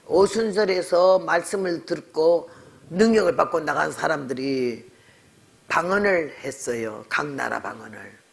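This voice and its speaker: Creaky-voiced older woman preaching bluntly. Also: deep voice, unhurried. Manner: blunt, scolding storyteller. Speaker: missionary preacher. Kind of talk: sermon with testimony.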